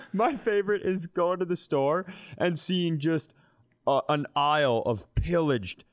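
A man's voice: fairly high pitch, slow pace. A middle-aged man, a comedian hosting a podcast, bantering casually, acting out quotes and swearing freely.

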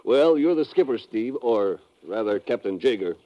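An actor playing a knowing naval lieutenant serving as first mate, brisk and matter-of-fact, in a 1950s radio adventure. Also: male voice, medium pitch, expressive, close to an everyday voice. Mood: easy, knowing. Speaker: supporting actor in a radio drama. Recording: dull old radio recording.

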